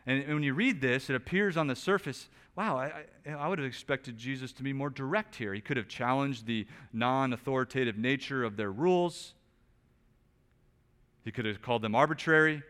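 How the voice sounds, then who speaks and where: A man preaching a sermon, asking rhetorical questions and swinging between quiet, low stretches and loud, emphatic bursts. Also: normal speed. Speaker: pastor. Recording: long reverb of a large hall.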